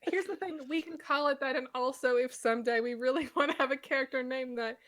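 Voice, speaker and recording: A woman's voice: sits high, a bit bright. A woman chatting casually while playing a tabletop game on a live stream, laughing easily. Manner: laughs easily, quick asides.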